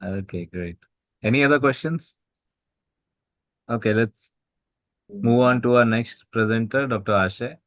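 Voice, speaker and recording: A man's voice: medium pitch, unhurried, long pauses, fairly bright tone, dry recording. A man with an Indian accent moderating a session informally, introducing and prompting speakers. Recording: dull, dry online meeting audio.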